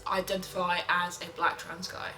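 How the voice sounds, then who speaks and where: A trans man telling a story in a lively way, acting out what others said, in a documentary interview. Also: mid-range voice, a little fast, soft background music. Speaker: interviewee, director of an organisation. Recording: roomy, slight noise.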